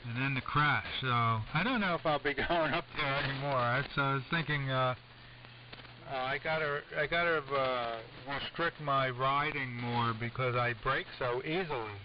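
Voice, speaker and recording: An American man, middle-aged or older, chatting casually and haltingly as an amateur radio operator over an AM shortwave link. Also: medium pitch, muffled recording. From United States. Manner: rambling, halting. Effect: AM shortwave radio transmission. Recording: noisy, band-limited AM shortwave radio. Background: steady radio noise.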